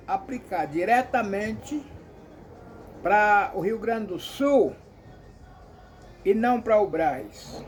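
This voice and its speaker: A man's voice: sits high, a little mellow, a little hiss or hum, poor audio. A Brazilian man giving an emphatic, repetitive commentary monologue, often calling out to his listeners.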